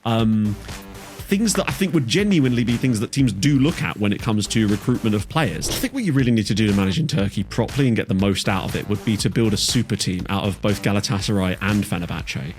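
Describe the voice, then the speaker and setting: A man's voice: fairly low pitch, animated, fast talker, soft background music. A man hosting a podcast in casual chat, playful and wordy, with jokey asides. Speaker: podcast co-host.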